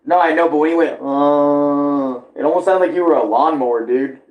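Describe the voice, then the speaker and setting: Casual, higher-voiced man rambling in reaction. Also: normal speed, lo-fi sound. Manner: rambling, informal, often addressing others as bro or dude. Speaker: live reaction host. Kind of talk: casual reaction commentary with slang and swearing.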